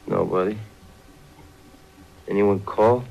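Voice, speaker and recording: An actor playing a suspicious, hot-tempered small-time hood in a 1940s radio crime drama, with a husky voice, an American accent and gruff slangy speech. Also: male voice, on the low side, fairly even intonation, takes it slowly, darkish tone, highs cut off, full character voice. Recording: vintage 1940s radio broadcast.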